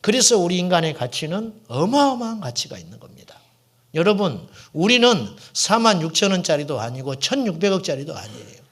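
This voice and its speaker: A middle-aged male pastor preaching a sermon to his congregation, asking questions and answering them himself, and sometimes dropping to a hushed whisper for emphasis. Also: sits high, big pitch swings, brisk. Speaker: senior pastor.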